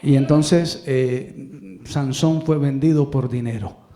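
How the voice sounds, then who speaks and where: Mellow-voiced Colombian pastor preaching. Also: male voice, mid-range voice, slow pace, faint music behind. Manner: rambling, emphatic, repeats phrases. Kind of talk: sermon.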